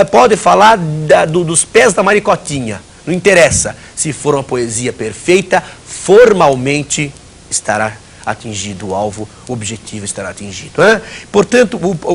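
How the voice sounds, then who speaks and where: A man's voice: a little high, gravelly, slightly rough. A man teaching a recorded video lesson, talking with many fillers and restarts and dropping ironic asides to his students.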